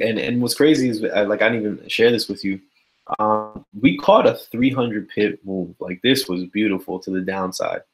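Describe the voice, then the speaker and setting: Man, lowish voice, casual live-stream chart talk, sleepy, lots of um and so. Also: vocal fry, rough recording. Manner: casual, filler-heavy, addresses viewers as guys. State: sleepy, yawning. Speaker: forex trading educator.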